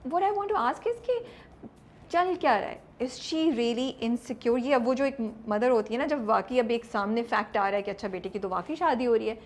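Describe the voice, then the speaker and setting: A woman's voice: a little high, lively intonation, moderate pace. A woman with a Pakistani accent doing a casual interview, probing and moving between two languages. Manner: mixes Urdu and English, probing.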